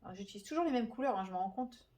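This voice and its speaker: A woman's voice: on the high side, expressive, racing, a little mellow. Chatty French-speaking woman vlogger. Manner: rambling, self-correcting, chatty asides to viewers. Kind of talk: casual chat while colouring.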